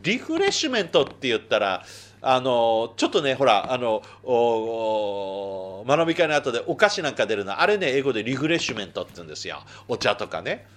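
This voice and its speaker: A man preaching a conversational sermon as a pastor, moving between loud emphasis and hushed asides. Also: medium pitch, big pitch swings, fairly quick.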